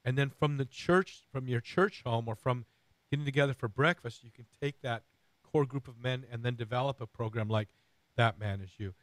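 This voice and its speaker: Man, middle-aged, radio host, raspy, hoarse, earnest rambling, dry close sound. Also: mid-range voice, moderate pace, no echo, low-quality recording. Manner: earnest, rambling with many fillers and restarts.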